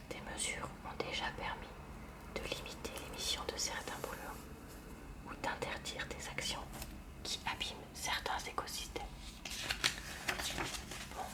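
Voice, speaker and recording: A woman reading a textbook aloud in a hushed library whisper for ASMR, with short informal asides. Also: normal speed, pauses often, recorded from a distance.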